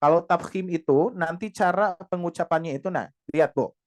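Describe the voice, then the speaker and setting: A man teaching Quran pronunciation to a class of women, patiently modeling each sound slowly and repeating it. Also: on the high side. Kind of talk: tajweed lesson to women.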